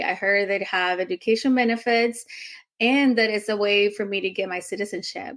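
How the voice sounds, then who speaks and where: A woman's medium-pitched voice with a Spanish accent, fairly even intonation and a moderate pace. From Mexico. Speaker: Army combat veteran and advocate. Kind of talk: interview. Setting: podcast.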